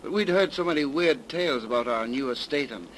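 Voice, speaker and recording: A man's voice: medium pitch, animated, brisk, a bit bright, natural voice. A man playing an earnest, courteous young American heir in a 1930s radio drama. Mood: apologetic, courteous. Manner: polite, earnest. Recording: noisy, crackly 1930s radio broadcast.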